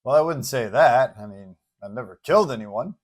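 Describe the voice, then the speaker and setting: A man's voice: medium pitch, expressive, normal speed, lightly acted. Man acting a breezy, confident superhero. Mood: earnest, casual. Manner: breezy, colloquial. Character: confident, casual, well-meaning male superhero.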